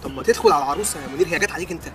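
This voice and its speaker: An actor with an Egyptian accent playing an impulsive husband in a comedy film, swinging from shouting to muttering. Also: male voice, a little high, huge pitch swings, rapid-fire, music in the background.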